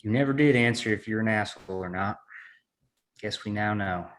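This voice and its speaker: An actor playing a wary, steady small-town man who leads a search, at a script table read. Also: lowish voice, brisk, natural voice. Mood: menacing.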